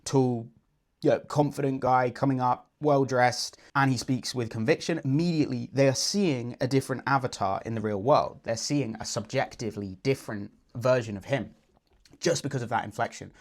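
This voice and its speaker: A man's voice: mid-range voice, moderate pace. A man working as a dating coach, confidently explaining and breaking down a client's approach. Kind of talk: video breakdown commentary.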